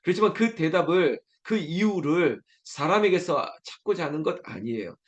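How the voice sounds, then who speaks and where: 남자 목사가 고난받는 신자의 탄식을 대신 외치듯 간절하게 설교하는 목소리. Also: male voice, fairly high pitch, expressive, moderate pace. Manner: earnest, voices the cries of a suffering believer with rising intensity. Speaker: pastor. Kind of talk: sermon.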